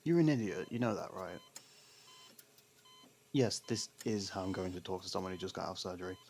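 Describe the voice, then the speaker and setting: A man acting a sarcastic, scolding criminal partner who hides his worry, in an ASMR roleplay with halting pauses. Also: deep voice, gravelly, a little mellow, slight background noise. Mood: scolding, upset. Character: gruff, sarcastic criminal partner, secretly worried.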